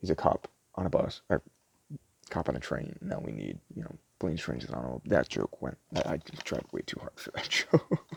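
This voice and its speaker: Soft-spoken and whispering, a man talks at a moderate pace in a dry, close sound with no echo. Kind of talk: ASMR roleplay, casual talk as a DVD store clerk. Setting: recorded with close microphone for ASMR. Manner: soft-spoken, whispering, relaxed, chatty.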